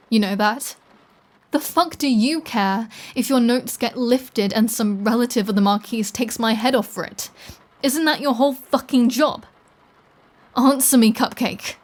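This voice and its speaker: A woman's voice: a little high, natural voice. A woman playing a flirty, taunting, predatory vampire in an intimate audio roleplay, with a teasing, sardonic delivery. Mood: angry, urgent. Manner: slow, teasing, sardonic, casually profane.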